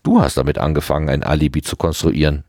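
A level-headed, matter-of-fact young man from an audiobook, as a male reader voices him. The voice stays close to the reader's own low tone. The recording is dry and close. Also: steady tone, quick pace, a little mellow, dry recording. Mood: calm.

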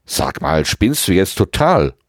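A man reading aloud and voicing an angry, defensive young man in a raised, sharp tone. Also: sits low, sing-song, measured pace, dry recording, clean studio sound, heavily acted.

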